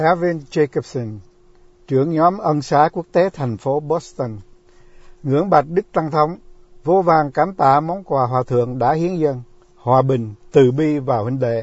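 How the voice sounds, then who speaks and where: A man talks at a fairly slow pace in a fairly high, somewhat breathy voice with ordinary pitch variation. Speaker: radio announcer. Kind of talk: reading aloud.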